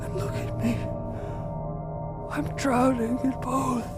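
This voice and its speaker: A man's voice: extremely high pitch, little pitch movement, slow. A man playing an anxious young religious novice in an audio drama, pleading and confessing a terror of failure. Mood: fearful, hushed. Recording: dramatic music behind the voice.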